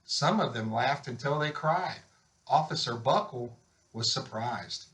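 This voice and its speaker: A man's voice: medium pitch, lively intonation, unhurried, a bit bright. Man reading a children's picture book aloud. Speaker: volunteer story reader.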